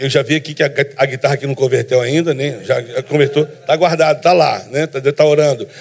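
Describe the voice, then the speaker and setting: A man speaks at a moderate pace with a Carioca accent. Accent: carioca Brazilian Portuguese. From Rio de Janeiro, Brazil (Bangu). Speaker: missionary and social project director. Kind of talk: church talk. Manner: animated.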